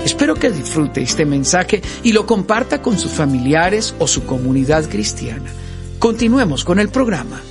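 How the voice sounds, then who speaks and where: A man presenting a Christian family program, telling a testimony with earnest, animated storytelling and direct asides to the listener. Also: fairly high pitch, moderate pace, music in the background.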